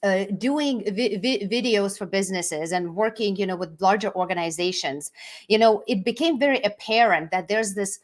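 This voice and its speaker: A middle-aged Lithuanian woman with a Lithuanian accent is a guest in an interview, talking casually. Her mid-range voice moves at normal speed. She's chatty, often restarts her words, and laughs between phrases.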